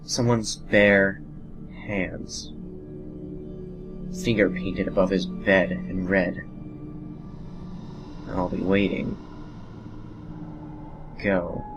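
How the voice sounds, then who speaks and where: A man narrating a scripted horror story in a measured, dramatic way, pausing between phrases. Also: low-pitched. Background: music under the narration.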